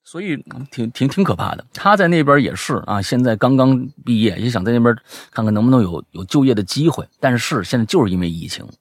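A man's voice: mid-range voice, big pitch swings, fast talker, few pauses, no echo. A man hosting a casual show, chatting, teasing and reading listener stories aloud. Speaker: host.

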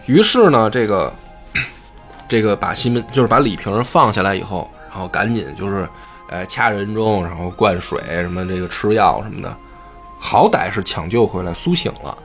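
A man who hosts a podcast, retelling a classic novel in animated, colloquial chat and swearing freely. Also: lowish voice, moderate pace, faint music behind. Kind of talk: casual storytelling chat.

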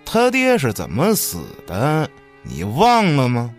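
A man's voice: mid-range voice, huge pitch swings, soft background music. An actor playing a big, burly, calculating man in a radio drama, mocking and menacing as he talks. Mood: sneering, menacing. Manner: mocking, deliberate, swearing.

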